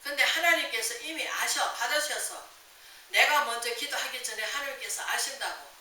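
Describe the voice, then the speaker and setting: A woman's voice: a little high, normal speed, sharp tone. Emphatic woman pastor preaching in an echoey hall. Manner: emphatic preaching with rhetorical questions. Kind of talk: sermon. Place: church sanctuary. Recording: echoey church hall with hiss, mic at a distance.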